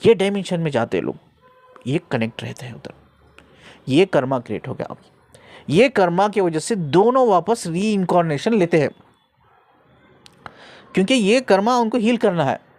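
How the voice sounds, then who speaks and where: A man's voice: sits high, lively intonation, normal speed, long pauses, darkish tone. Earnest man giving a spiritual talk. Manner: repeats phrases for emphasis, frequent "okay" checks; earnest, explanatory, speaks to the listener directly. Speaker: spiritual guide. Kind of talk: spiritual teaching monologue.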